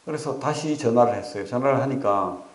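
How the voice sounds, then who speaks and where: A male pastor preaching a sermon, telling stories with animated asides and rhetorical questions to the congregation. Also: medium pitch, brisk, roomy sound. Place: church sanctuary.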